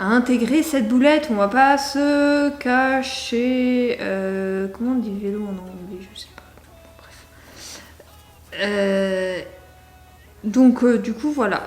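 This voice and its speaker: A woman's voice: mid-range voice, echoey room. A young French woman with a French accent, rambling through a casual book vlog with lots of fillers and restarts. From France. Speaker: book vlogger.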